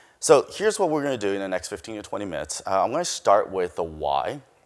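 Against a quiet background, a man with a fairly low pitch speaks at a moderate pace. His intonation is lively. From immigrated to US as child from Chinese-speaking country. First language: Chinese. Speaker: school superintendent. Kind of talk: conference keynote. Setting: stage with audience. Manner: casual, conversational with filler words. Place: stage. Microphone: lapel.

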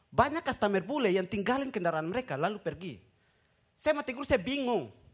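A man at a very fast pace with lively intonation, over a quiet background. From Kupang, East Nusa Tenggara, Indonesia. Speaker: stand-up comedian, audition contestant. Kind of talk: stand-up comedy set, audition. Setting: stage with audience. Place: stage. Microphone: handheld.

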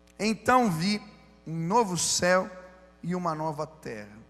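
With music in the background, a man speaks at a very slow pace in a high pitch with ordinary pitch variation. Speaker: youth pastor. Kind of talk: sermon. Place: church. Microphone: handheld.

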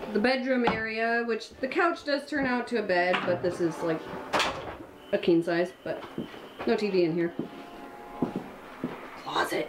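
Loud background noise runs under a fairly slow pace with long, frequent pauses. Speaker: vlogger filming a tour. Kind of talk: casual vlog chat. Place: home room. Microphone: phone near.

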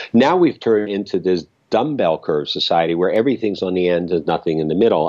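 Over a quiet background, a man with an American accent talks at a fairly quick pace in a very deep, low pitch with lively intonation. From United States. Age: 60s. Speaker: author and social justice advocate. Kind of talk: interview. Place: home room. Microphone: earbuds.

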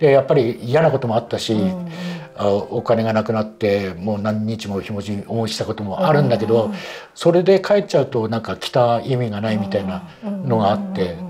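A man speaks at a fairly quick pace with lively intonation against noticeable background noise. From Japan. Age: 80s+. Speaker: musician, former care home director. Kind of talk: interview answer. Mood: relaxed, reminiscing. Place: home room. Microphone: lapel.

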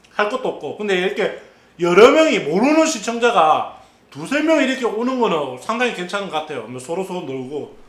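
The speech moves at a fairly quick pace, with audible room echo around it. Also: man, high pitch for a man. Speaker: live streamer. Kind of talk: casual stream chat. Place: home room.

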